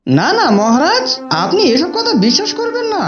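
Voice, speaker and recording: Shrill pleading fox, voiced by a woman. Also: big pitch swings, moderate pace. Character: pleading, indignant accused fox. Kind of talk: children's cartoon dialogue. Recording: muffled, music behind.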